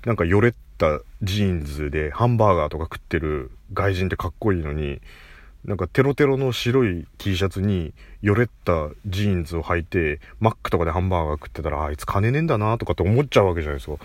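A man with a very low voice chats casually as the host of his own talk show. His delivery swings widely up and down as he rambles through a story, piling on fillers and false starts. The sound is close and dry, with no room around it. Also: lively intonation, fast talker, dry recording. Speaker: podcast host. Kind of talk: casual solo chat.

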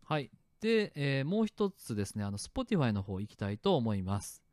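Chatty man with a lively pitch. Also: moderate pace, no echo, clean studio sound. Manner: relaxed and chatty, many fillers, starts and stops clips. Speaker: podcast host. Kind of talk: casual solo talk explaining his sound effects. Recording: faint music clips playing behind.

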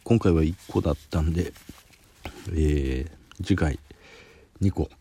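Kansai-accented man, deep and husky, chatty solo food-review podcaster, sniffly from spice. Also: slow pace, warm tone. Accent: Kansai Japanese. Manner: chatty, self-deprecating, sniffling while eating spicy food. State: sweating and runny nose from spicy food.

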